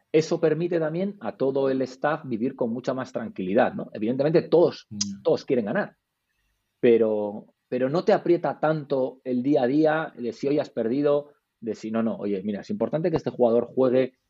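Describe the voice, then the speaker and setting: This man talks at a moderate pace and medium pitch, his intonation lively. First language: Basque (speaking Spanish). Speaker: basketball coach. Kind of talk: casual interview.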